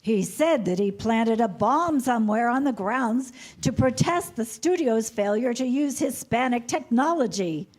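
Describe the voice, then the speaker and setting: Woman playing an earnest, high-voiced security guard. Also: lively intonation, a little slow, hardly any pauses, darkish tone. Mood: flustered. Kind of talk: staged screenplay reading.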